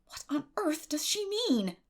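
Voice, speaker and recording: Woman voicing a stern, brisk older woman. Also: high-pitched, big pitch swings, pitched above the performer's own voice, heavily acted. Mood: baffled, dismissive. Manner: brisk, no-nonsense. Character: stern, practical older woman, brusque and plain-spoken.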